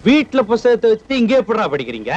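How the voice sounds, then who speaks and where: A gruff reproachful elder. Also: male voice, sits high, sing-song, rapid-fire. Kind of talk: comic film dialogue. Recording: slightly dull old film audio.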